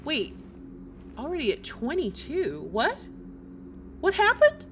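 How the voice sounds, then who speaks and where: A woman's voice: high voice, huge pitch swings, slow pace, background noise. A woman livestreamer chatting casually with her viewers while she plays a game.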